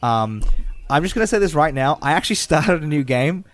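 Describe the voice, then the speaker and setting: A man's voice: fairly high pitch, animated, brisk, no room sound. Man, podcast co-host, casual chat, rambling, filler-heavy. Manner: rambling, searching for words with many fillers.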